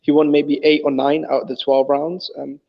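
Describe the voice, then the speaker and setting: A man's voice: a little high, little pitch movement, moderate pace, creaky, dull audio. A man analysing boxing in casual chat, talking fluently and enthusiastically with many "you know" fillers. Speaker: boxing talk guest.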